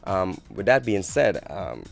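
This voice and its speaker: Casting: very low-voiced male interviewer, gravelly texture, measured delivery, faint music behind. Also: sing-song. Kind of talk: interview questions.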